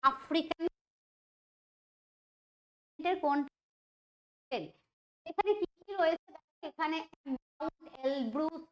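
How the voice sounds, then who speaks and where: An exam prep teacher with an extremely high voice runs an online quiz lesson slowly, leaving long pauses. She's chatty, thinks aloud and often puts questions to her students.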